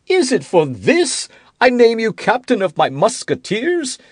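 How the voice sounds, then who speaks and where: A man voicing a fretful, self-pitying king who turns irritable and accusing, with a high, whiny, petulant voice in an audiobook. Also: huge pitch swings, a little slow, slightly rough, no echo, clean studio sound, exaggerated voice. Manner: rising into indignant outbursts. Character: fretful, self-pitying middle-aged king, quick to anger. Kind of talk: audiobook character reading.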